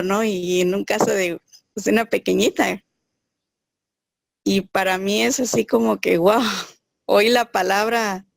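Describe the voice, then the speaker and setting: A woman's voice: mid-range voice, vocal fry, no echo. A woman sharing a personal faith testimony, earnest and searching, thinking aloud as she goes.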